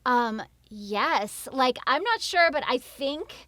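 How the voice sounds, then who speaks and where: A woman's voice: high-pitched, animated, takes it slowly, bright, forceful tone, no room sound, full character voice. A woman playing a self-absorbed, panicky young female rideshare driver who rambles with lots of fillers, in an audio drama. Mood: chatty, self-important. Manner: pleading, rambling, many fillers and likes.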